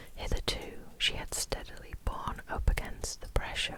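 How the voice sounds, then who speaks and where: Someone whispers in a British accent over noticeable background noise. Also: woman. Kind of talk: ASMR bedtime story reading. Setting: next to a crackling fire. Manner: whispered.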